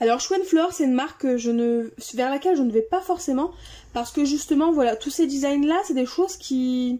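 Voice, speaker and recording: A woman's high-pitched voice, dark and mellow in tone, at a fairly quick pace. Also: ordinary pitch variation. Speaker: scrapbooking YouTuber. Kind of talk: casual haul video. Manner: halting, with hesitations.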